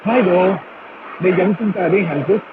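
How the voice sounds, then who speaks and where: A man with a high voice delivers a preacher's talk full of illustrative storytelling. He comes through a shortwave radio, thin and tinny, with plenty of noise over the signal. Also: moderate pace.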